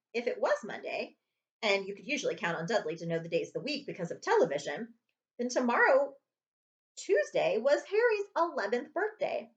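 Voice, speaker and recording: Lady reading a kids chapter book out loud, really lively up and down voice, bit muffled lo-fi. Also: a little high. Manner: expressive storytelling with character voices. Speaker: librarian reading aloud. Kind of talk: children's chapter book read-aloud.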